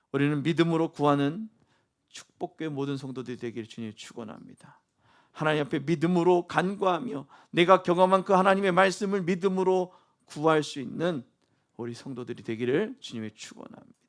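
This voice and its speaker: A male pastor delivers a sermon in a notably high voice. He keeps asking his listeners questions to draw answers from them. His delivery moves between loud, emphatic lines and soft, almost whispered ones. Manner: preaching with call-and-response questions to the congregation.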